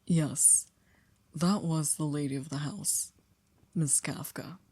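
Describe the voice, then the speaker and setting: A woman acts out an exacting chief maid of a grand estate for ASMR roleplay. The voice is low, dark and close with a dry, roomless sound. Each phrase is formal and measured, edged with dry reproach. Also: husky, no room sound, heavily acted. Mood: fond, resigned.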